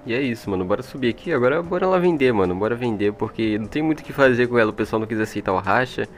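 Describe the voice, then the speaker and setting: Medium-pitched and animated, the man fires off his words rapidly. He's a gaming video creator with a Brazilian accent, chatting casually and with plenty of slang over his gameplay, recorded on an old mic with music underneath.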